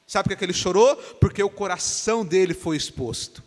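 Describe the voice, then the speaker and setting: A man from Brazil, a pastor, preaching an animated sermon in a church and acting out the dialogue of the story. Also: high voice, fairly quick. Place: church sanctuary. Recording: long church reverb.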